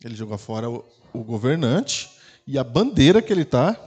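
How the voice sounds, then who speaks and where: A man's voice: mid-range voice, big pitch swings, moderate pace, slightly rough, highs cut off. Man, Brazilian Portuguese accent, pastor, conversational sermon, rhetorical questions, volume rising and dropping, church. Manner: loudness rises and falls sharply.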